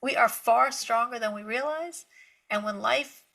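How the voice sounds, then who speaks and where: A woman giving a spiritual Torah lecture, telling stories with lively emphasis, repeating words and laughing lightly between points. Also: fairly high pitch, measured pace, gravelly. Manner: animated storytelling with emphatic repetition. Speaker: Torah teacher.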